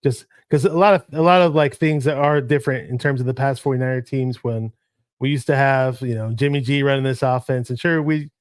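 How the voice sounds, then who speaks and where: A man's voice: medium pitch, steady tone, brisk, smooth, no room sound. A man hosting a casual sports podcast, talking in a rambling way with many restarts. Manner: rambling, full of restarts and fillers. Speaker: podcast host. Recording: dry close audio.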